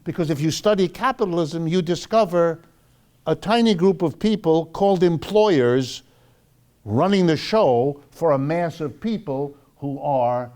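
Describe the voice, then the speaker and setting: Emphatic American man lecturing, mellow voice. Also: fairly high pitch, expressive, measured pace. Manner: emphatic, dramatic, rhetorical questions and repetition. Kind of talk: live public lecture.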